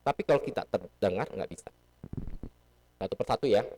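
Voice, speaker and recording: A man's voice: fairly low pitch, lively intonation, a little fast, dark tone, slight background noise. A man giving a casual Buddhist sermon in a temple hall, teaching playfully and asking the audience questions. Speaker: Buddhist dharma speaker.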